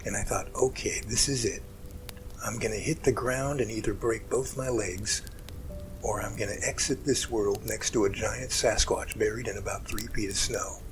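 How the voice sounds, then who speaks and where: A man playing an emotional rescuer in an amateur audio drama, recounting events in an earnest, halting, dramatic way. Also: on the low side, fairly even intonation, close to an everyday voice, rough recording. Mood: earnest, awed. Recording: music bed under the voice.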